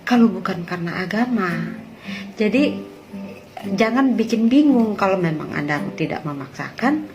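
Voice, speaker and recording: A woman's voice: medium pitch, lively intonation, normal speed, long pauses, darkish tone, lo-fi sound, soft background music. A woman from West Sumatra, speaking casually and insistently, repeating her points with rhetorical questions. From West Sumatra, Indonesia. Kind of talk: casual spoken rebuttal to viewers.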